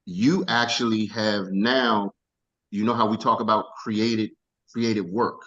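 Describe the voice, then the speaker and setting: A man coaching a team on a video call, energetic and casual, repeating himself for emphasis. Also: lowish voice, measured pace, highs cut off.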